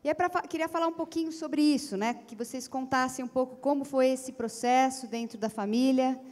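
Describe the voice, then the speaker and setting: High-voiced Brazilian woman moderating in a hall. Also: fairly even intonation, a little fast, darkish tone. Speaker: panel moderator. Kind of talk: introducing and asking questions onstage. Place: stage in a conference hall with seated audience. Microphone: handheld microphone. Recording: reverberant conference hall.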